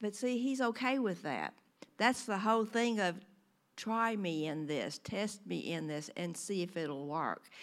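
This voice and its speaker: A plain, everyday voice speaks at a fairly slow pace with lively intonation. The recording is very clean, with a silent background. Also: woman. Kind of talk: testimony.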